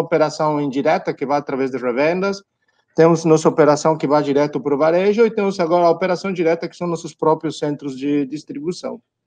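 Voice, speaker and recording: Speaking at a very fast pace with a Bolivian accent, the speaker uses ordinary pitch variation. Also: man, big swings in loudness. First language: Spanish (speaking Portuguese). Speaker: logistics executive. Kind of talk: corporate presentation.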